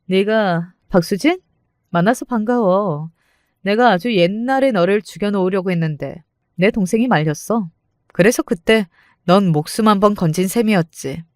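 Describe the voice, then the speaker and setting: A menacing, mocking big sister played by a woman narrator from an audio story. She taunts and threatens brashly at a middle pitch, in a very dry recording. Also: no echo, lightly acted.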